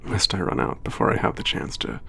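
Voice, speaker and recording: A man voicing an ancient, gentle male giant who speaks calmly and formally. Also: fairly quick, slight background noise, lightly acted. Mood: reflective. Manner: calm, formal, soft-spoken. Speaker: letter-writing narrator. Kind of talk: ASMR audio drama.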